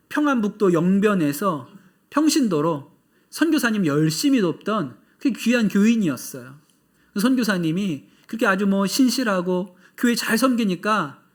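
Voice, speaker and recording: A male pastor delivering a sermon in an earnest, conversational way, repeating key phrases for emphasis. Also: high voice.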